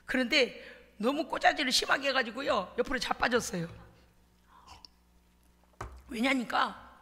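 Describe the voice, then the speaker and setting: A middle-aged woman pastor preaching a dramatic sermon in a church, acting out her own prayers with sobs and shouts. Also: high-pitched, measured pace. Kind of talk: animated sermon. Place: church sanctuary. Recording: long hall reverb.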